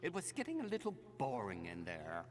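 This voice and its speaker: Covetous Shen, wildly animated old jeweler. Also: male voice, mid-range voice, a little fast. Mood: genial, amused. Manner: rambling, chuckling, theatrical. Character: eccentric, cheerful old male jeweler, tough and bony. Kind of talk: animated fantasy game acting.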